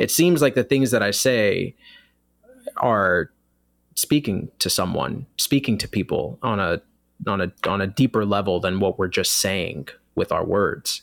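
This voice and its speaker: Speaking at a fairly slow pace, a man with a fairly low pitch uses lively intonation on a very clean recording with a silent background. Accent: American. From New York City, the Bronx. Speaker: artist, poet and author. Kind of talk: casual chat. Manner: halting.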